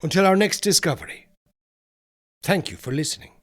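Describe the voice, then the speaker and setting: Solemn, higher-pitched male horror narrator. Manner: solemn, theatrical, deliberate phrasing. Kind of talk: dramatic scripted narration of gothic horror.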